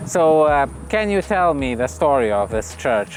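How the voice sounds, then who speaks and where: Moderate speech from a man amid noticeable background noise. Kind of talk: documentary interview intro.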